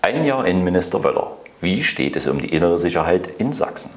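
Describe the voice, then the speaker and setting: A man's voice: low-pitched, very animated, brisk. A man reading scripted topic questions as an announcer. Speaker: off-screen announcer.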